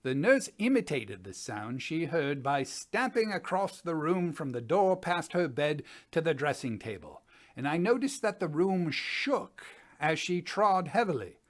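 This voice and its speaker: A man in his sixties playing a sober, methodical gentleman scientist, reading a formal report deliberately as a dramatic piece. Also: a little high, very animated. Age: 60s. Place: indoors, small study.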